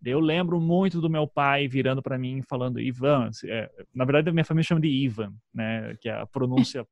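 The halting, thoughtful guest on a storytelling podcast, a man from southern Brazil with a Paraná accent, recorded close in a dry space. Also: medium pitch, dry recording, highs cut off. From Curitiba, southern Brazil. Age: 30s. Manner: halting, self-interrupting, frequent "né" tags. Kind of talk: conversational interview, reflective storytelling.

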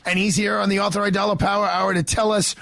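A talk-radio host, a man with a fairly high voice, interviews a guest in a loose, joking way. He trips over his words and restarts often. The sound is dry and close, with no room around it. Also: flat delivery, fast, creaky, fairly bright tone, no room sound. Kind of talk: casual interview.

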